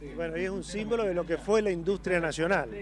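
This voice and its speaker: Against noticeable background noise, a man speaks at a moderate pace in a high pitch with fairly even intonation, the sound dry with no echo. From Argentina, Paraná (Entre Ríos); Entre Ríos, Argentina. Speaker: agricultural machinery businessman. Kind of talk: interview. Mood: proud, grateful. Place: open country. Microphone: handheld.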